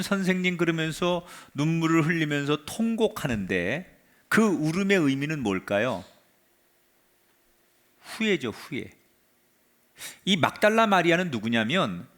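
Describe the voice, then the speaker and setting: A man, a pastor, preaching a sermon and retelling a story with drama, his voice sinking to a hush at the end of phrases. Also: a little high. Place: church sanctuary.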